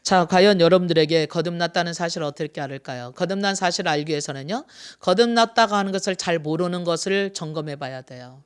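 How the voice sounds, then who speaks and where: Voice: mid-range voice, fast talker, few pauses, clear, resonant tone. Preacher in their sixties, questioning the congregation. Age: 60s. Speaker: pastor. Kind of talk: Sunday sermon.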